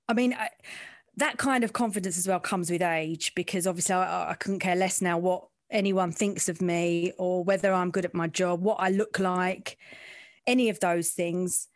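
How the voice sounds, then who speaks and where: A woman's voice: on the low side, fairly even intonation, unhurried, no echo, studio quality. East London woman with an Essex twang. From East End of London, England. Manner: informal, frank, working-class way of speaking. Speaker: sports reporter interviewee. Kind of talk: candid conversational interview.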